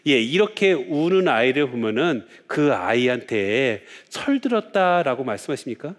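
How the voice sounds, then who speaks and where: A man's voice: medium pitch, big pitch swings, moderate pace. A man, a Catholic priest, giving a lecture, telling stories and asking rhetorical questions with frequent "yes" fillers.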